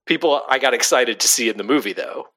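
A man's voice: medium pitch, quick pace, sharp tone. A man co-hosting a casual movie podcast, rambling and restarting his sentences and laughing often. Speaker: podcast co-host.

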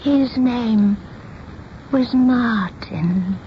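An actress playing a timid, childlike recluse in a radio drama, hesitant and fluttery, often repeating herself. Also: female voice, fairly high pitch, drawn-out words. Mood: wistful. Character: timid, childlike reclusive seamstress living in daydreams. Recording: muffled, noisy old radio broadcast recording.

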